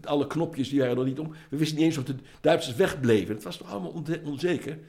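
A man in his eighties from the Netherlands, giving personal testimony, halting with frequent restarts and lively when retelling scenes. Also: fairly high pitch. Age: 80s. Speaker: interviewee.

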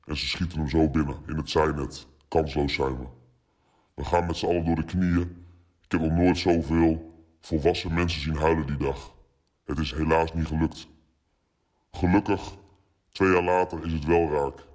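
A former footballer telling a recorded anecdote in measured, dramatic storytelling, his voice disguised by a voice changer that makes it very deep. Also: steady tone, darkish tone. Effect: voice changer making the voice very deep.

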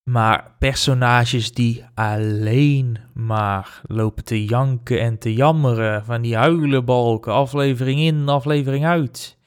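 A man's voice: medium pitch, fairly even intonation, a little slow, hardly any pauses, clear, resonant tone. A man co-hosting a casual podcast chat, rambling and hesitant, with many fillers. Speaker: podcast co-host.

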